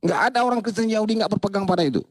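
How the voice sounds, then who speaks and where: Lively preachy man debating. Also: high-pitched, very fast. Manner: lively, preachy, talks over others, quotes scripture. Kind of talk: heated religious debate.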